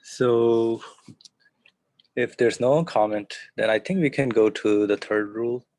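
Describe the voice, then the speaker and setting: A man's voice: medium pitch, measured pace, darkish tone, no echo. A man moderating an informal religious study discussion over a video call.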